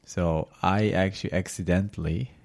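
A man with a slightly raspy voice hosting a podcast as a casual, slangy, sweary chat. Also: deep voice, steady tone, normal speed, a little mellow. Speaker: podcast host. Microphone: podcast microphone.

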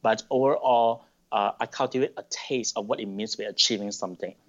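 A middle-aged man from Malaysia, answering interview questions thoughtfully, with pauses and restarts. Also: fairly low pitch, a bit bright. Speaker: podcast guest. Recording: dull lo-fi sound.

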